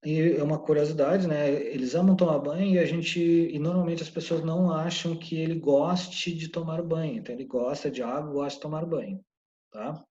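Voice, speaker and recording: A man's voice: a little high, brisk, dark tone, lo-fi sound. A male English teacher gives a recorded online lesson, explaining step by step and often checking in with his students.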